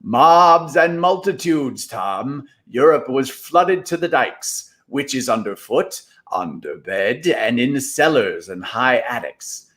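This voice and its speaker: A man voicing an eerie, ancient male guide who declaims slowly and grandly. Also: mid-range voice, big pitch swings, fairly bright tone. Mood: lecturing. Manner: drawling, slow, grandly declaiming.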